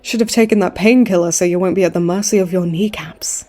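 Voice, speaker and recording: Speaking fairly low and fairly quick with light acting, a woman portrays a smug, flirty supervillain in her late twenties who's been hospitalized. Her mellow delivery in this comic audio roleplay teases, taunting theatrically with mock sweetness.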